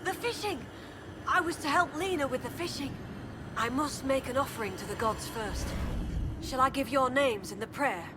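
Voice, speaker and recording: A woman's voice: high voice, normal speed, lightly acted. A woman playing a hearty, devout tribal huntress in a video game, forthright and earnest like a storyteller. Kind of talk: video game dialogue acting. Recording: clear background noise of game ambience.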